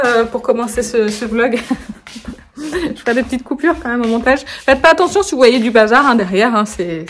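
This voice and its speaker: A woman's voice: on the high side, a little hiss or hum. Chatty French woman vlogging at home. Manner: chatty, laughs often, many fillers. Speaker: beauty vlogger. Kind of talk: casual vlog chat. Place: home, indoors.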